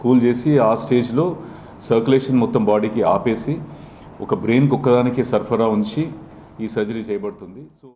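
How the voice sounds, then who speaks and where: A man's voice: medium pitch, normal speed, warm tone, slight background noise. A man, a doctor, explaining a medical case to a reporter, mixing in English terms with many fillers.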